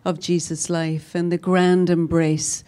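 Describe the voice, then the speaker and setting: Woman producer, lowish mellow voice, calm and measured answering questions. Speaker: film producer. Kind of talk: panel answer.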